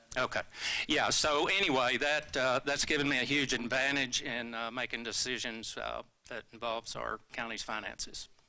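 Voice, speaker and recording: A man speaks at a moderate pace in a medium-pitched voice with vocal fry. His tone is bright and sharp, and his intonation stays fairly even. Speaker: political candidate. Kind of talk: candidate forum answers. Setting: public forum in library with audience.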